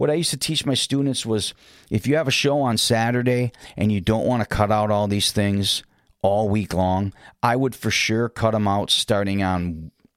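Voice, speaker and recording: Against a very clean recording with a silent background, a man with an American accent uses an ordinary speaking voice at fairly low pitch, moderate pace, ordinary pitch variation and very even loudness, in a dry, close sound with no echo. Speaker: singer and vocal coach. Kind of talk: tutorial. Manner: casual.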